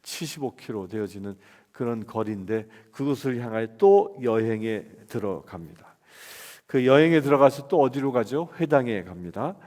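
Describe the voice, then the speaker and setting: A man's voice: mid-range voice, expressive, moderate pace, darkish tone. A man with a Seoul Korean accent preaching a conversational sermon, asking the listeners questions and answering them himself. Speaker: pastor. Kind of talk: expository sermon. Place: church. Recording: long hall reverb.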